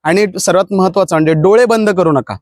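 Male fitness coach, high voice, firm instructions, dry close sound. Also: quick pace, no echo. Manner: shouts encouragement, then lectures firmly. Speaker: police recruitment fitness coach. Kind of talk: outdoor coaching of runners.

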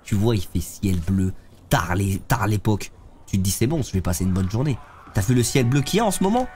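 A man's voice: fairly low pitch, lively intonation, brisk, darkish tone, faint music behind. A young man, streaming a game live and chatting loosely with viewers in slangy talk while congested with a head cold. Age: young adult. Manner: slangy, loose, talks to chat while playing. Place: streaming room, seated in a gaming chair.

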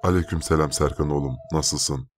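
A man voicing a kindly older mosque imam who speaks calmly and in a fatherly way. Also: a bass voice, moderate pace, soft background music. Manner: calm, fatherly.

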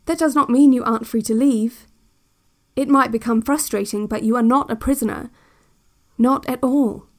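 A woman playing a calm, controlling institute narrator on a relaxation cassette, speaking in a measured and quietly menacing way. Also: fairly high pitch, natural voice. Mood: calm, veiled menace. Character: soft-spoken, controlling female institute narrator on a relaxation tape. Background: music.

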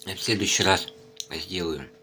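A man with a very deep voice talks loosely to his audience while chewing, his words muffled by a full mouth. He rambles in a relaxed, homey way. Faint clicking sounds sit behind him. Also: normal speed, slight background noise. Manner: relaxed, rambling, addresses viewers directly. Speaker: mukbang vlogger. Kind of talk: casual chat to camera.

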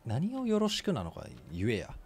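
Animated man streaming a horror game. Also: medium pitch, normal speed, music in the background. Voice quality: casual rough speech. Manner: blurts exclamations and sarcastic quips at the game. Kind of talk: live horror game commentary with reactions. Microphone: desk streaming mic, indoors.

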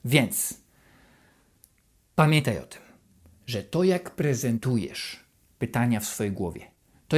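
A self-help channel host giving a motivational talk to the viewer, animated and repetitive, dropping into a hushed, anxious voice to act out inner thoughts. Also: medium pitch. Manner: repeats and rephrases questions over and over.

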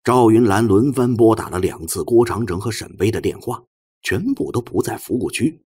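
A man's voice: lowish voice, moderate pace, a little mellow, husky, dry recording, clean studio sound. A man reading an audiobook as a dramatic, scripted narration.

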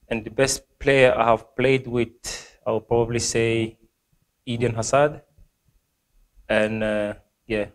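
Young male footballer, from Gambia, seated Q&A, monotone, halting and full of fillers. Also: fairly low pitch. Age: young adult. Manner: hesitant, many ums and restarts. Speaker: football player. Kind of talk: reading fan questions and answering. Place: small plain indoor room.

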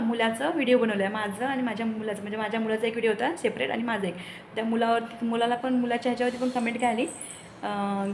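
A woman with a fairly high voice chats straight to her viewers in a casual home vlog, talking freely and turning indignant when she complains. She sounds like a mother speaking at home. The room echoes around her, with faint noise underneath. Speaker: mother and family vlogger. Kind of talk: casual chat to camera. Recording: roomy echo with faint background noise.

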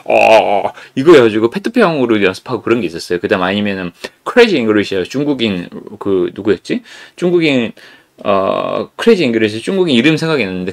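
A man giving a casual lecture on learning English, often restarting words and reading example sentences slowly. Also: medium pitch. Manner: animated, reads English sentences aloud slowly and deliberately; frequent stammered restarts. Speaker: English learning channel host.

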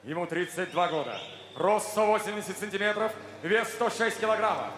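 A man working as an arena announcer, introducing fighters from the ring in a booming, drawn-out showman delivery. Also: expressive, fairly bright tone. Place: boxing ring in a large indoor arena. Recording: echoey arena hall with faint noise.

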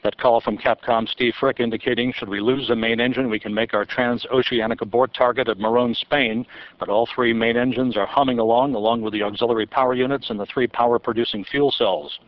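A man giving live launch commentary from mission control, reading flight figures in a steady, measured way. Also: mid-range voice, no echo. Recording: dull broadcast audio.

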